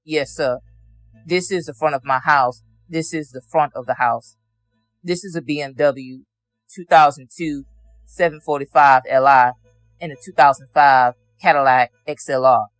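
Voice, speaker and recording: A man's voice: fairly high pitch, fairly even intonation, moderate pace, a bit bright, no echo. Male witness, courtroom testimony, plain matter-of-fact answers, dry close sound.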